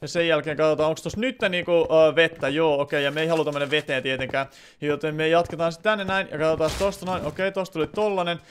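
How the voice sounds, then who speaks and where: A man's voice: fairly high pitch, fairly even intonation, slight background noise. A man live-streaming a video game, chatting casually with his viewers and rambling with many filler words.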